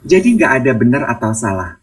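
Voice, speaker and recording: Recorded on a distant mic, a man with a medium-pitched voice talks a little fast as he co-hosts a casual talk show. He's an animated storyteller, retelling conversations, acting out the voices he quotes and mixing in English.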